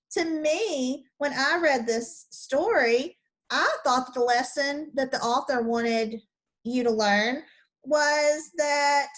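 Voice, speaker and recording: Casting: young woman teacher, storybook read-aloud, high lively voice, unhurried. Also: low-quality recording. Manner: slow, expressive storybook reading with lively pitch. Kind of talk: children's picture book read-aloud and lesson.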